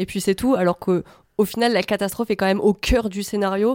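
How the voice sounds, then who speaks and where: In a very clean recording with a silent background and a dry, close sound with no echo, a woman with a plain, everyday voice talks at a moderate pace, medium in pitch and fairly even in intonation. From France, Cannes. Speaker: film critic. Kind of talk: casual chat.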